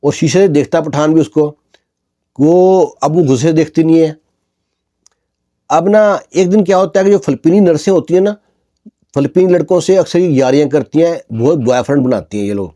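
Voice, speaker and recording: A man narrating a story casually, with loose colloquial phrasing and frequent fillers. His voice is fairly high for a man, but dark and mellow in tone.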